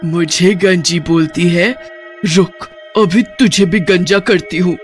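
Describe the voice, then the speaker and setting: A woman's voice: fairly low pitch, slow, faint music behind. A woman voicing a vengeful bald witch mother in a cartoon story, talking in a threatening, snarling way. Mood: angry.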